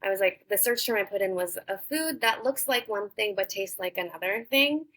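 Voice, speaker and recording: A young adult woman talking thoughtfully as a podcast guest, pausing often with fillers and restarts. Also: medium pitch, expressive, fairly bright tone. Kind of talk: casual interview conversation.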